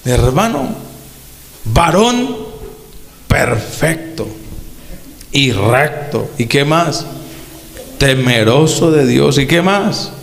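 A man preaching a Pentecostal sermon, emphatic and drawn-out, throwing rhetorical questions at the congregation. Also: medium pitch, sing-song, creaky, reverberant, in a large hall, rough recording. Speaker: pastor.

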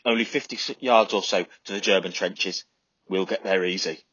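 Raging army sergeant yelling commands, man putting it on, tense husky shout. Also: sits low, level tone, rapid-fire, no room sound. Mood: barking orders. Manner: shouting, ranting. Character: bullying army sergeant, furious, barking orders. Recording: slightly dull lo-fi recording.

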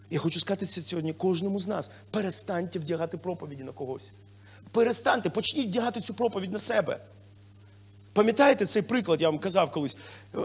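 Husky high-pitched pastor preaching. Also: male voice. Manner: lively preaching, swinging from soft to loud exclamations; talks informally with fillers and restarts. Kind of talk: sermon. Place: church hall.

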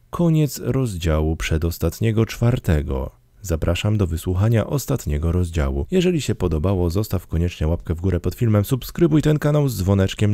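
A man reads a classic story aloud in measured, dramatic narration. His voice sits low, with a gravelly rasp and a mellow, dark tone. Recorded close and dry, with no room sound. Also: dry recording. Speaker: audiobook narrator. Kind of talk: scripted narration.

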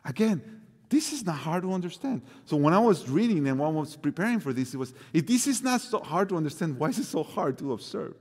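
Mexican-accented pastor preaching in a hall. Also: male voice, a little high, big pitch swings, fairly quick, darkish tone, husky. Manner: earnest, repeats key phrases, gestures while preaching. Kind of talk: sermon. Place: large church stage with orchestra instruments. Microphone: lapel mic. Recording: long hall reverb.

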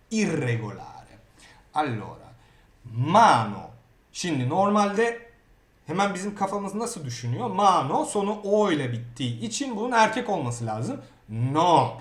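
A Turkish-speaking man teaching grammar in a lively way, often checking in with the learner. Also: fairly high pitch, echoey room. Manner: lively, repeats words and asks "okey?". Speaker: Italian teacher. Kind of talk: grammar lesson.

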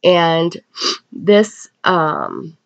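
A woman getting over a cold gives a casual tarot card reading, speaking haltingly with unhurried pauses. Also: sits low, wildly swooping pitch, gravelly. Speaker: tarot reader. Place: indoors at a table in a room. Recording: dull, lo-fi webcam sound.

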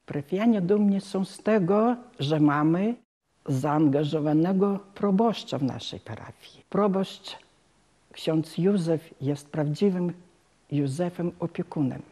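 A woman in her sixties speaks as a parish guide. Her voice is low for a woman and quite dark. She delivers a prepared account with formal earnestness. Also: a little slow. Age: 60s. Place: inside a wooden church.

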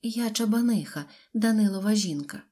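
A woman's voice: mid-range voice, lively intonation, normal speed, mellow, pitched above the performer's own voice, lightly acted. A woman voicing a shepherd's wife who answers respectfully and carefully in an audiobook. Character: shepherd's wife, frightened but steady.

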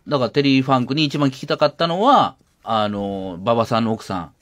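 A man's voice: medium pitch, steady tone, brisk, a bit bright, no room sound. A middle-aged man with a Kansai accent, a radio regular who eagerly recounts old events and repeats his points in casual talk.

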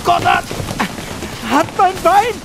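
High-pitched frantic sidekick. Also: male voice, wildly swooping pitch, slow pace, vocal fry, background noise, heavily acted. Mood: panicked. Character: excitable, panicking male sidekick. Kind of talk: horror audio drama acting.

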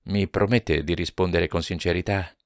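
A man reading aloud voices a shy, tender middle-aged bookseller who speaks hesitantly and gently. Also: sits low, steady tone, normal speed, no echo, studio quality, natural voice. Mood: gentle.

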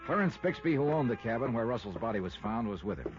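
An American man playing a tough, sardonic but soft-hearted investigator in a 1950s radio drama, with clipped, wry delivery. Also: medium pitch, very animated, fast, over music, close to an everyday voice. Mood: brisk narrating. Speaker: lead actor and narrator. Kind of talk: 1950s radio detective acting. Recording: dull, muffled vintage radio recording.

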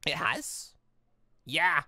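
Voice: medium pitch, very slow, pushed and bright, dry recording, clean studio sound. A gaming host doing let's-play commentary, reading visual novel dialogue aloud with exclamatory, playful asides.

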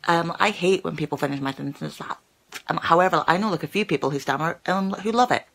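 Young woman host who stammers, chatty and full of fillers, bright gravelly tone, phone-recorded in a small room. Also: lowish voice, a little fast. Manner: stammers, with many fillers and repeated words. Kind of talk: casual live-stream chat. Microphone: phone held at arm's length.

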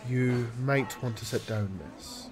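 A man playing a calm, formal hospital doctor in an audio drama, speaking in a measured, matter-of-fact way. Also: mid-range voice, close to an everyday voice. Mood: grave, calm. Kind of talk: amateur audio drama acting.

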